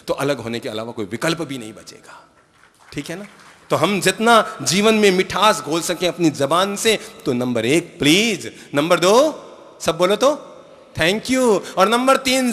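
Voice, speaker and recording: A man from India giving a sermon with stories, animated, swinging between loud exclamations and quiet asides. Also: medium pitch. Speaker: spiritual teacher. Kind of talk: sermon with storytelling. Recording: reverberant hall.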